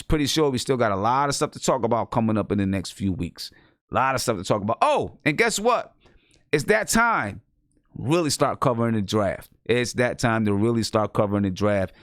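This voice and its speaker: A man in his thirties hosts a casual basketball talk show, pressing his points by saying them twice. His voice sits a little low and the sound is dry and close, right up on a studio microphone. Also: no echo. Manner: emphatic, repeats himself, laid-back sign-off. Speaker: podcast host and high school basketball coach. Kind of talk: casual postgame chat.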